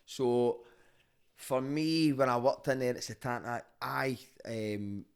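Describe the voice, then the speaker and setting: Glasgow guy, proper street scottish accent, sweary honest chat, normal mid pitched voice. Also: slow pace, clear, resonant tone. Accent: Glaswegian street Scottish. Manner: candid, sweary, conversational. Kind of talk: casual podcast chat and storytelling.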